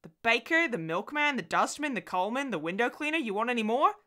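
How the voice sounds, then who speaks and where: A woman's voice: mid-range voice, expressive, fast talker, pushed and bright. Woman reading as a breezy, teasing husband. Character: scoffing, good-humoured young husband, breezy and reassuring. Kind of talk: audiobook character voice.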